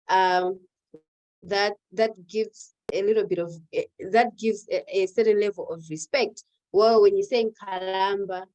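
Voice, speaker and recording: A woman's voice: mid-range voice, a little mellow, low-quality recording. A young adult woman from Malawi, speaking English as an as the guest in an online panel conversation, explaining earnestly with examples. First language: Chichewa or another Malawian language. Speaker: guest activist.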